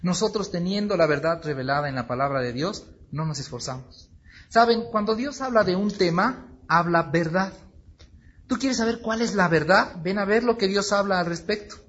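A man's voice: high-pitched, expressive, moderate pace, a bit bright. A man teaching a Bible class in sermon style, emphatic and acting out little dialogues with rising questions. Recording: dull lo-fi recording, faint noise.

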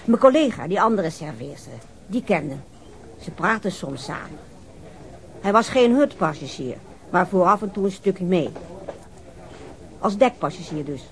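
An actress playing a cooperative, chatty ship's waitress in a Dutch radio drama, helpful and thoughtful. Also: female voice, lowish voice, animated, moderate pace, long pauses. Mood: sure, helpful.

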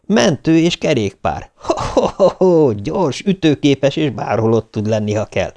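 A man reading the part of an eager young male paramedic who reports briskly and plainly. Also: mid-range voice, lively intonation, a little mellow, voice pushed up, natural voice. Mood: excited.

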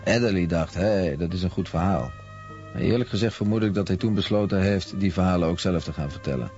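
A man's voice: sits low, fast talker, a little mellow, faint music behind, lightly acted. A man voicing a plain-spoken author in an interview voice-over translation. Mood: matter-of-fact. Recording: dull sound with faint noise.

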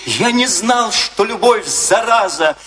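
Radio drama: fervent romantic man, a poet, very slow declamatory verse, music clearly behind. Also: high voice, expressive, sharp tone, exaggerated voice. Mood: anguished, fervent. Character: lyrical lovesick male poet, romantic and fervent.

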